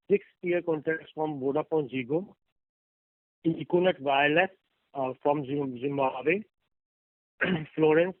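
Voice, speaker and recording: A man with a slightly high voice puts questions as an investor on an earnings call. His phrasing is halting and deliberate. The phone line is thin and narrow, with a dry sound. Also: no echo. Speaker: investor caller asking questions.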